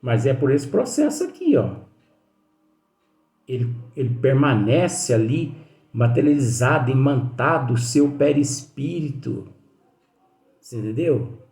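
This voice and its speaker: A man's voice: medium pitch, big pitch swings, unhurried, long pauses, darkish tone. A man giving a spiritist study lesson in a conversational way, telling anecdotes and often tagging sentences with questions to his listeners. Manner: chatty, leans on tag questions. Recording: echoey room with faint music.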